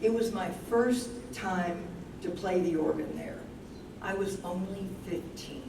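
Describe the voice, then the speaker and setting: A woman acting as an older wife with Alzheimer's, reflective and candid, speaking slowly and deliberately. It is a stage reading picked up from a distance, with clear background noise. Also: on the low side. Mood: reminiscing. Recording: roomy, distant, noisy live stage recording.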